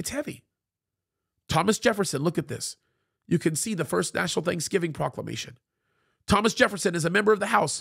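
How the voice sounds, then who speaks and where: Animated and high-pitched, a man rattles along at a very fast pace with lively intonation, broken by long, frequent pauses. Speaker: pastor. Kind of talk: sermon. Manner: forceful.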